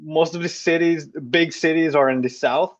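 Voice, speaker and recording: A man in his thirties hosting a podcast interview, speaking in a hesitant, halting way with frequent repeats. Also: on the high side, fairly even intonation, no room sound, dull audio. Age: 30s. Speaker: podcast host. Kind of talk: casual interview talk.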